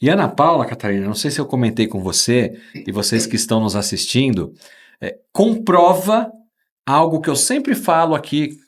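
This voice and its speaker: A man's voice: mid-range voice, lively intonation, normal speed. A man hosting a podcast interview, talking with enthusiasm and emphasis. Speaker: host.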